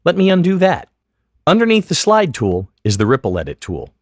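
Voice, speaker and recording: Lively-pitched man narrating a software tutorial. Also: brisk, dry recording, clean studio sound, soft background music. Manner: clear, methodical, step-by-step explanation. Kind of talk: scripted instructional narration over screen demo.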